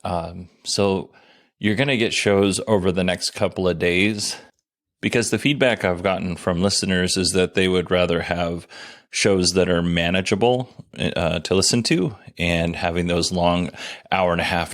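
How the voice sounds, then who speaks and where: A man hosting a solo podcast, talking casually about a company event with a dry, self-deprecating manner and what he calls a monotone voice. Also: low voice, moderate pace. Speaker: podcast host.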